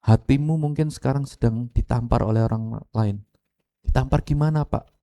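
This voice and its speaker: Middle-aged East Javanese male pastor, animated preaching, speaks to the pews. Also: mid-range voice, normal speed, creaky. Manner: animated, addresses congregation directly, mixes Javanese phrases. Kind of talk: lively sermon with acted quotes.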